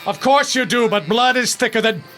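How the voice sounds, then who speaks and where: A man acts out a domineering small-town father in an audio drama. His voice sits high and he taunts and orders people about with menace. Music plays behind him. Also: moderate pace, fairly bright tone. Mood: menacing. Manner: taunting, commanding.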